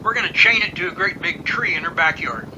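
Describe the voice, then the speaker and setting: A man's voice: high-pitched, sing-song, a little fast. A man playing a straight-faced, by-the-book helicopter pilot in an amateur audio drama, dryly unflappable and matter-of-fact. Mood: deadpan. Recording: hissy, noisy radio-drama track with outdoor ambience.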